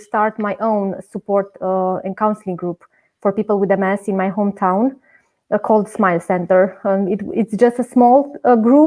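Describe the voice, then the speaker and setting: Speaking at a moderate pace, a woman with a Romanian accent uses a fairly high pitch and ordinary pitch variation. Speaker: patient advocate. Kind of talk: interview. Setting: video call. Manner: hesitant, many fillers.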